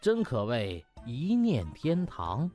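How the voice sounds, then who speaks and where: A man's voice: mid-range voice, huge pitch swings, slow pace, dark tone, soft background music. A man reading a story as an audiobook narrator, dramatic and emphatic in his scripted delivery.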